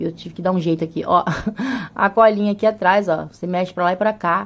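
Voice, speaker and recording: A woman speaks quietly at a fairly quick pace, with fairly low pitch and fairly even intonation, in a very clean recording with a silent background. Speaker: beauty vlogger. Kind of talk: product review tutorial. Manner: speaking a bit quietly; chatty, affectionate diminutives.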